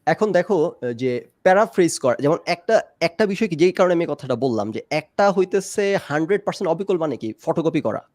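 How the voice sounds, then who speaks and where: A man's voice: fairly high pitch, expressive, fairly quick, darkish tone, no room sound, clean studio sound. A man arguing his point in a casual debate, mixing English phrases into his speech. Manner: argumentative, mixes English phrases into Bengali. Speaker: discussion guest. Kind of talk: casual debate on a live stream.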